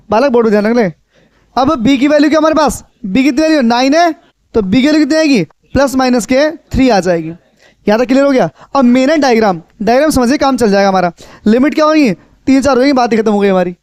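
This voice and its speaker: A man's voice: extremely high pitch, darkish tone, dry recording. A man teaching a maths class, repeating questions to his students in a coaxing, instructive way. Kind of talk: classroom lecture.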